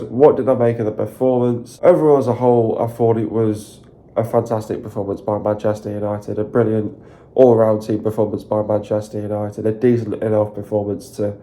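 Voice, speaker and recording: A man with a croaky, sore voice, talking at length about his team's win in a loose, repetitive, excited way on his video channel. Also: lowish voice. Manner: repetitive, filler-heavy, excited rambling. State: hoarse, sore throat. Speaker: football fan channel host. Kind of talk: casual solo video commentary.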